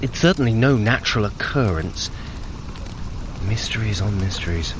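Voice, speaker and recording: An actor playing a clever, impatient, sardonic trickster god in an audio drama, speaking formally in archaic phrases with a dry, condescending manner. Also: male voice, lowish voice, animated, normal speed, noisy background, close to an everyday voice. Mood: brooding, explanatory.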